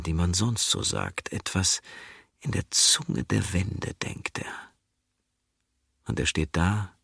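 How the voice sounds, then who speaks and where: A man narrating an audiobook in a slow, hushed manner, dwelling on repetitions. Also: deep voice, gravelly, husky, no room sound, clean studio sound.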